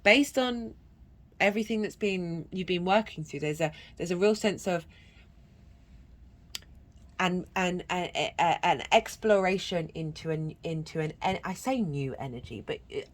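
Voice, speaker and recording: In no hurry, a tarot reader with a fairly low-pitched voice channels a reading through a stuffy, cold-affected nose. She restarts often, drifts sincerely from point to point, and breaks into chanted syllables.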